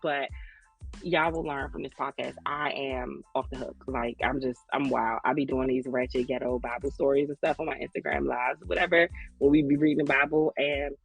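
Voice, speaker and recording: A woman's voice: a bass voice, fairly even intonation, normal speed, vocal fry, slightly rough, soft background music. A woman in her thirties from Maryland with an African American English accent, telling stories in a casual, slangy, joking way as a podcast host. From Maryland, United States. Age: 30s. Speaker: podcast co-host, lactation consultant. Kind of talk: casual conversational storytelling.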